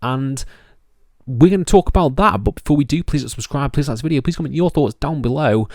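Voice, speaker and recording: A man's voice: mid-range voice, lively intonation, a little fast, a little mellow, dry recording, studio quality. Enthusiastic young man with a Stoke accent. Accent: Stoke-on-Trent English. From England. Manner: enthusiastic, repeats words for emphasis. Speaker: wrestling reviewer, channel host. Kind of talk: solo video review.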